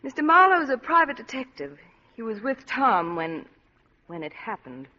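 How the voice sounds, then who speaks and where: A woman's voice: fairly high pitch, very animated, moderate pace, pushed and bright, heavily acted. A woman playing a flirtatious, scheming wealthy wife with a coy, teasing manner in a vintage radio drama. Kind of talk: 1940s radio acting. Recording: muffled old radio broadcast with music.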